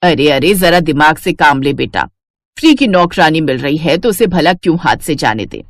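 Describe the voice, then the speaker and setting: A woman's voice: sits low, animated, normal speed, no echo, studio quality. A woman playing a scheming, greedy middle-aged stepmother in a fairy tale, with a sly, scolding, condescending manner. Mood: sly, coaxing. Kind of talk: acted dialogue in a Hindi audio fairy tale.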